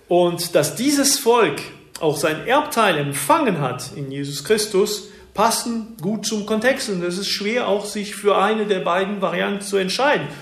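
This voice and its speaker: A man preaching a Bible-teaching sermon, explaining verses slowly and deliberately with occasional hesitations. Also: high voice, echoey room. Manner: slow, deliberate expository delivery with some hesitations.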